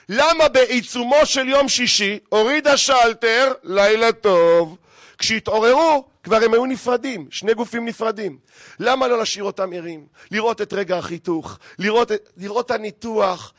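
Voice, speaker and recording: A man, a rabbi, giving a lively, joking sermon and firing rhetorical questions at his listeners. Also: high-pitched, no room sound. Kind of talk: humorous sermon to a live congregation.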